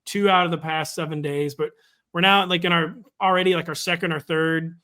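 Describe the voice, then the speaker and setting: Wry guy cohosting a sports show, kinda high voice, jokes a lot. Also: steady tone, bright, forceful tone. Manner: wry, joking, fast-talking. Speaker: podcast co-host. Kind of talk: casual sports chat. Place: home in the Midwest.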